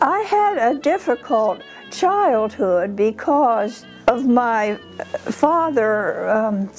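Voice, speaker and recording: With faint music in the background, a woman speaks very slowly at a fairly high pitch. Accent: American. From Ohio, USA. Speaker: retired FBI clerk. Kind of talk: interview answer. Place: home room. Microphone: lapel.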